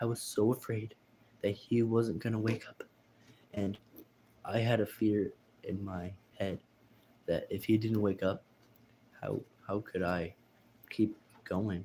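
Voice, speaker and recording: Putting on a character voice, a man talks shakily at a fairly slow pace, fairly low in pitch, with monotone, flat intonation and long, frequent pauses. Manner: shaky, trembling.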